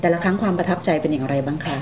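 A woman hosting a conversational interview, gently prompting her young guests with questions. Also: low-pitched, rapid-fire, low-quality recording. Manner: gently prompting, calls herself "big sister" to young guests. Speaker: radio programme host interviewing two young sisters. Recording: faint background noise.

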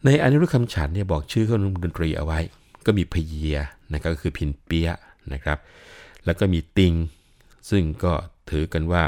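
An older man lectures on classical literature in a deep, low voice. He explains patiently and often adds polite particles. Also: lively intonation, brisk, a little mellow. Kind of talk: explanatory talk.

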